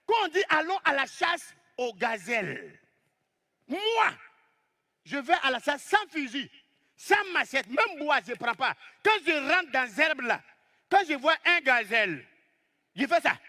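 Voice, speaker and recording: Man, stand-up comedian, lively storytelling, exclaiming, very bright sharp tone. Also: very high voice, measured pace. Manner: lively, exclaiming, acts out scenes.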